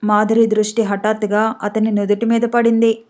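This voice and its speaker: A woman narrating a story for an audiobook in a calm, even reading. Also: medium pitch, moderate pace.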